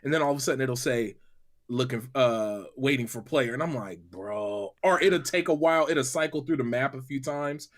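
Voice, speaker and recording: On a casual gaming podcast held as an online group call from separate rooms, a man speaks at normal speed with a medium-pitched voice. He's emphatic and slangy, often repeating phrases to drive them home.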